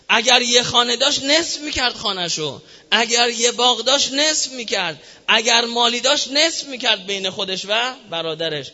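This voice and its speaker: Guy preaching a sermon, highish voice, asks questions then answers them, dull lo-fi recording. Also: sharp tone. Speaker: religious preacher. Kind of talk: sermon explaining scripture. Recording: echoey hall, dull lo-fi sound.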